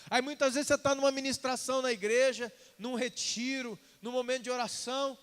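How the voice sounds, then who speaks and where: A man preaching a sermon, lively and conversational, acting out little dialogues and asking the congregation questions. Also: extremely high pitch, fairly quick, in a large hall. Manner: animated, acts out quoted dialogue, asks congregation questions. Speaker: pastor. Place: church sanctuary.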